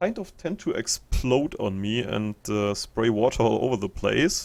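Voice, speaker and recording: Speaking at a fairly slow pace with a German accent, a man has a medium pitch. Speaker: esports caster. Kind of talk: live commentary. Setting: livestream broadcast. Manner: slightly halting.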